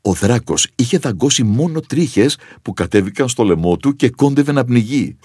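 A man narrating a children's story in an expressive, animated way. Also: mid-range voice, husky, dry recording, studio quality.

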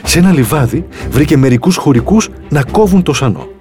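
A man narrating a fairy tale aloud in an expressive, lively storytelling manner. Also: on the high side, music in the background. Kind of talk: storybook reading.

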